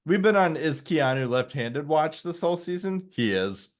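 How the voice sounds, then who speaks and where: A man's voice: a little high, lively intonation, normal speed. A man co-hosting a comedy podcast in casual chat, rambling and jokey, often breaking off mid-thought. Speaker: podcast co-host.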